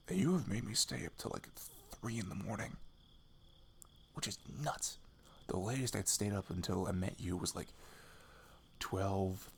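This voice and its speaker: Soft, low-pitched, creaky man acting a tender best friend. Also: slight background noise, exaggerated voice. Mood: fond, confiding. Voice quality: soft, breathy, often dropping to a whisper. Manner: hesitant, halting, chatty and tender. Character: sweet, nerdy male best friend, shyly affectionate. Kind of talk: intimate ASMR roleplay, soft improvised-sounding talk.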